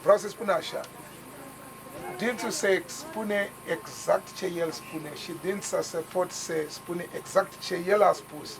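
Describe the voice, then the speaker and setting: Gravelly man insisting over a crowd. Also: sits high. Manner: insistent, halting, explaining with repeats. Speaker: audience member.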